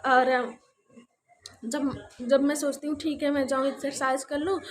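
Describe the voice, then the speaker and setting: High-voiced chatty young woman. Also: flat delivery, unhurried. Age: young adult. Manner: chatty, laughs often while talking. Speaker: vlogger. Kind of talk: casual home vlog chat. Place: at home, indoors.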